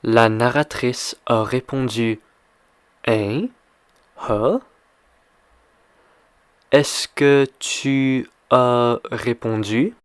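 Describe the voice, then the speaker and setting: A man's voice: mid-range voice, steady tone, slow pace, few pauses, clean tone, dry recording, clean studio sound. A man teaching French, reading a story aloud and quizzing the listener with simple, repeated questions. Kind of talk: slow question-and-answer reading lesson.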